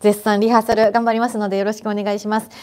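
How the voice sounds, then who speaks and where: An animated woman's voice, fairly high in pitch, against a quiet background. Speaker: livestreamer and performer; livestreamer. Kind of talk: casual livestream chat. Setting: live stream, seated. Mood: cheerful, warm.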